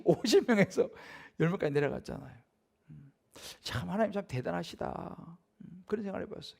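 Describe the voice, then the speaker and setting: A man's voice: sits high, vocal fry, slightly rough. A middle-aged male pastor giving a Wednesday evening sermon in a church, talking conversationally, often asking the congregation to agree and acting out haggling voices. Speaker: senior pastor. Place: church sanctuary.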